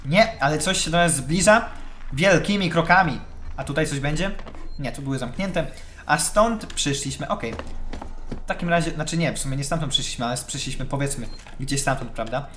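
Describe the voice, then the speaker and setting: A man giving chatty live commentary on a horror game, excitable and shouting when scared. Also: a little high, moderate pace, slight background noise. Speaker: let's play gamer.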